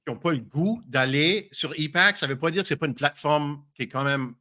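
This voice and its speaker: Man, podcast guest, bright tone, franglais, hesitant. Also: fairly high pitch, a little fast. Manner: mixes English into French, self-conscious, hesitant. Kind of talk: casual podcast chat.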